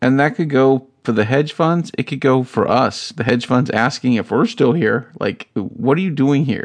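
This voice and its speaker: With an American accent and a plain, everyday voice, a man talks at a moderate pace with hardly any pauses, using a medium pitch and ordinary pitch variation. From North Carolina, US South. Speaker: podcast host. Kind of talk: solo podcast monologue.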